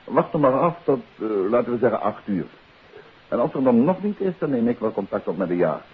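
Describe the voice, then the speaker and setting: An actor playing a courteous, composed detective who probes politely in a 1950s radio drama. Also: male voice, medium pitch, sing-song, breathy edge. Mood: reassuring. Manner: polite, measured, inquisitive. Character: composed, courteous male amateur detective, quietly probing. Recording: hissy, tinny 1950s radio recording.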